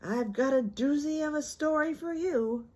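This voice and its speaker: A woman voicing an exuberant, bouncy male tiger from a storybook, excitable and full of exclamations. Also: sits high, normal speed, pitched above the performer's own voice, lightly acted. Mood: reassuring.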